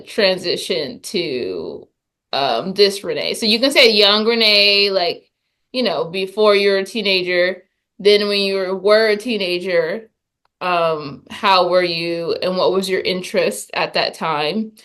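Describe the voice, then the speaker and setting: A woman's voice: medium pitch, takes it slowly, a bit bright. A woman hosting a casual chat, putting questions to a guest in an informal, rambling way. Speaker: podcast host interviewing a guest.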